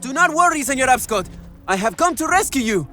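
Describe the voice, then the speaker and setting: Excitable, lovesick young mercenary, swooping pitch. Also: male voice, brisk, faint music behind, full character voice. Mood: gallant. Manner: melodramatic, earnest, formal phrasing. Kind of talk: dramatic video game acting.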